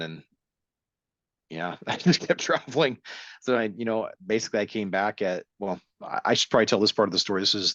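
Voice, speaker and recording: A middle-aged man with an accent mixing American, English and Irish sits for a casual interview, rambling through his story and wryly correcting himself. His low voice has a slight brightness, and the recording is dull and dry with no room sound.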